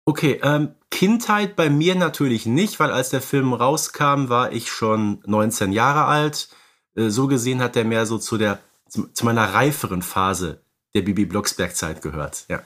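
A man's voice: medium pitch, normal speed, a bit bright. A man in his thirties, talking casually as a podcast co-host. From Germany. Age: 30s. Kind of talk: casual conversational podcast talk.

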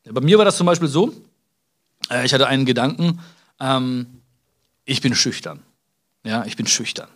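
A man's voice: mid-range voice, lively intonation, moderate pace, pauses often. A man from Germany hosting a casual self-help podcast, talking straight to the listener with frequent tag questions, fillers and restarts. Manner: hesitant restarts and filler sounds. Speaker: podcast host.

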